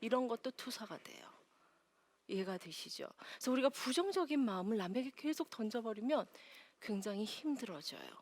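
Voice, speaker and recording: Animated woman lecturer. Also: on the high side, a little fast, no room sound. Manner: animated, acts out quotes, laughs often. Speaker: lecturer and counselor. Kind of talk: lively lecture to a live audience.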